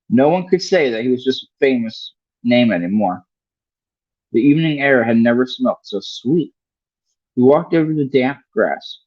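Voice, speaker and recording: A man's voice: medium pitch, a little mellow, no echo, dull audio. A man reading a story aloud as a livestream host, now and then stumbling over a word and correcting himself. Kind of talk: read-along audiobook narration.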